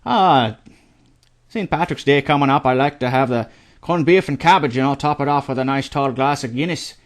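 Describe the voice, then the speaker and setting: A man's voice: medium pitch, moderate pace, lightly acted. A man putting on a self-admitted bad Irish accent for a cheerful Irishman talking about holiday food. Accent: put-on Irish.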